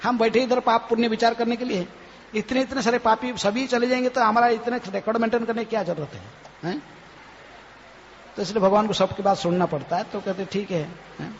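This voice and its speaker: Man, swami, devotional lecture, high voice, questioning "hain?" tags, long hall reverb. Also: steady tone. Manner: punctuates phrases with a questioning "hain?"; chants scripture verses slowly. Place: temple hall. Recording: reverberant hall, dull lo-fi, faint noise.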